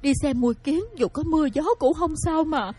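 A woman's voice: high-pitched, fairly quick, dark tone, faint music behind, lightly acted. A woman playing a dutiful young widow in a radio drama, speaking humbly and imploringly.

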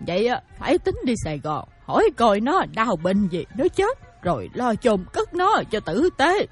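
A grieving older mother pleads insistently in a breathy, lively voice. She sits a little high in pitch and is acted in a radio-play manner. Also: normal speed, faint music behind, exaggerated voice. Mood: pleading. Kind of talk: radio drama acting.

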